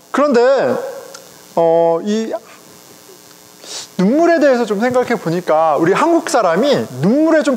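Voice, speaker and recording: A middle-aged man, a pastor, preaching a sermon in a conversational, animated way, speaking directly to his congregation. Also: high voice. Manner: conversational, animated, chuckles often, addresses congregation. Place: church sanctuary. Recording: long reverb of a church hall.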